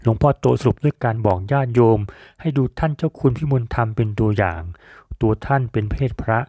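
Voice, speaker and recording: Mellow-voiced male storyteller. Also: medium pitch, animated, a little fast, dry recording. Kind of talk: storytelling narration.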